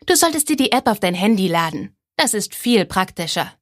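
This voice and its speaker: A woman reading an audiobook, voicing the narrator's excited, chatty young best friend in a brighter, higher voice. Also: brisk, dry recording, studio quality. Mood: eager. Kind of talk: audiobook character voice.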